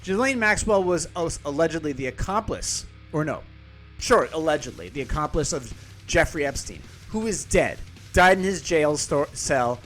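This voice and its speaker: A man's voice: on the high side, expressive, moderate pace, a bit bright, soft background music. A man hosting a podcast, reading a news article aloud with casual, profane, rambling asides and frequent self-corrections. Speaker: podcast host.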